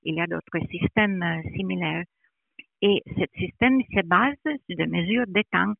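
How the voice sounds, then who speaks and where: A woman who is not a native French speaker, explaining in an interview with a foreign accent in French, haltingly searching for words. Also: lowish voice, vocal fry, no echo, phone-quality sound. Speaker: interviewed metrology department director.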